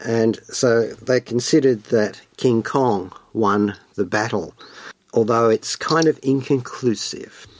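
A man's voice: medium pitch, slow pace, dry recording. A man hosting a radio show, reading scripted film and music commentary in a playful, wordy, colloquial way.

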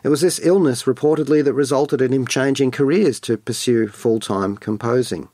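A man's voice: medium pitch, normal speed, dark tone, dry recording. Wordy, playful male radio host, dry close sound. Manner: playful, wordy, colloquial delivery. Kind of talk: scripted film and music commentary.

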